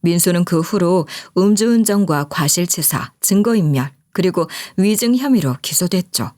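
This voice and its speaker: A woman's voice: fairly low pitch, animated, moderate pace, darkish tone, dry recording, studio quality. A woman narrating a story radio tale expressively in the first person.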